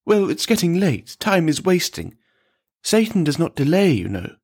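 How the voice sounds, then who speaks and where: Man playing a high-pitched, pompous stern priest. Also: big pitch swings, moderate pace, darkish tone, breathy edge, full character voice. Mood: brisk, insistent. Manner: emphatic, repetitive, haughty refusals.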